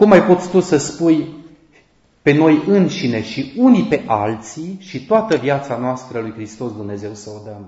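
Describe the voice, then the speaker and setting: A man with a fairly high, somewhat breathy voice speaks at a fairly slow pace, his pitch swinging very widely and his loudness shifting a lot. Audible room echo surrounds him. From Romania, Sibiu county. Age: 60s. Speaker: priest and theology professor. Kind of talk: lecture.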